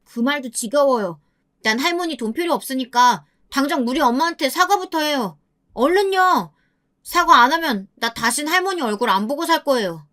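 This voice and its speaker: A woman's voice: high voice, animated, moderate pace, fairly bright tone, pitched above the performer's own voice. A woman doing an indignant teenage boy. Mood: demanding. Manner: protesting, insistent. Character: indignant teenage grandson defending his mother.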